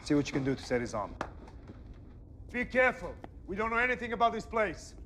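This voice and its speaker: A cold hijacker boss. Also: male voice, high voice, sing-song, fairly quick, background noise. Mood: commanding. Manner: curt, commanding orders. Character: cold ruthless male hijacker leader. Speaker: hijackers' leader. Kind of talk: film acting. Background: music score.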